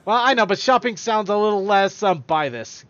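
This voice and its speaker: A high-voiced man hosts a podcast, rambling through casual chat and tripping over his own words. The sound is dry and close, with a slightly dull, lo-fi tone from a stream. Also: lively intonation, moderate pace, fairly bright tone, dry recording. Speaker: podcast host.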